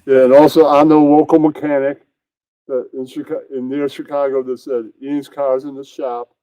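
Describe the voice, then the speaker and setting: A man's voice: mid-range voice, little pitch movement, normal speed, clear, resonant tone. A man performing an improvised comic puppet skit in a crude, rambling way, full of repeated catchphrases. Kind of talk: improvised comedy puppet skit with put-on character voices. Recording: echoey, slightly dull room recording.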